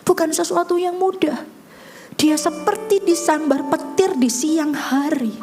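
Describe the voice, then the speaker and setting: High-voiced woman pastor preaching. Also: measured pace, music in the background. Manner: animated, exclaiming, addresses the congregation often. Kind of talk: sermon storytelling.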